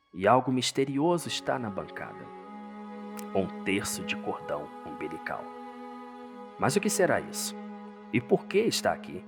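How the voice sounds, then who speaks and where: A man with a Brazilian accent narrates a dark story in a theatrical, suspenseful, scripted style. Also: on the low side. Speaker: narrator, host. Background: music.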